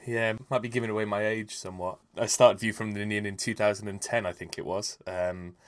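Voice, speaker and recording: Low-voiced man in his thirties, podcast guest. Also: steady tone, brisk. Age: 30s. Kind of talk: casual interview chat.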